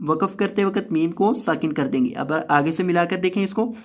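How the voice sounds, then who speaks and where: A man with a South Asian Urdu accent teaching Quran recitation with tajweed, spelling out letters and vowels, then chanting the verses in long drawn-out tones between quick explanations. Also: high-pitched. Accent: Urdu-speaking South Asian.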